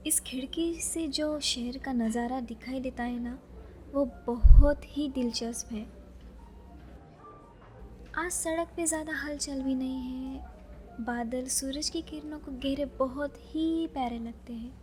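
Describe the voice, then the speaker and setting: A woman playing a chatty, dreamy young librarian who is easily flustered, musing softly to herself in an audio romance drama. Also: high-pitched, slow pace, slight background noise. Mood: dreamy, content.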